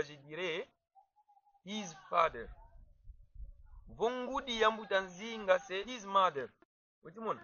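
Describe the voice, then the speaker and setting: A man gives a grammar lesson in a high, bright voice, taking his time over each point. He repeats words to drive them home. The recording is dry and a little dull. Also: no echo. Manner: slow, deliberate, repeats words to stress them. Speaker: language teacher. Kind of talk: explaining grammar to viewers. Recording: dull, slightly muffled dry sound.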